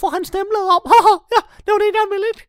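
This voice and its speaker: A squeaky, excitable wizard who can't stop giggling. The voice sits very high and pushes loud, eager to show off his latest find. Light music plays underneath this comedy radio play. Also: no echo, studio quality. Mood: excited.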